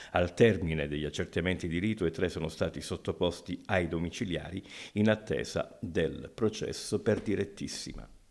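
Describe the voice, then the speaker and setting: In a quiet background, a man's very deep, low voice moves at a moderate pace with ordinary pitch variation. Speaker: news reader. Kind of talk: formal news bulletin read aloud, crime report on arrests. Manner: formal, steady, measured newsreader delivery.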